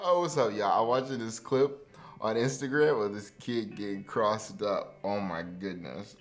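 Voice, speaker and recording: A man's voice: fairly low pitch, moderate pace, soft background music. A man giving a casual, joking youth sermon in a conversational, slangy way. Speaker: youth pastor.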